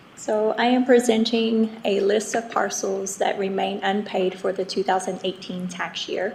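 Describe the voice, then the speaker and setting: A woman speaks quietly at a medium pitch and a fairly slow pace, with hardly any pauses and fairly even intonation. Noticeable background noise runs underneath. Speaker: county treasurer. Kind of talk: formal presentation at public meeting.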